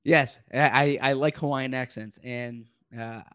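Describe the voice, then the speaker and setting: Halting man on a sports talk show. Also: mid-range voice, steady tone, a bit bright, smooth, no room sound, studio quality. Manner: halting, repeats words at the starts of sentences. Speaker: sports podcast co-host.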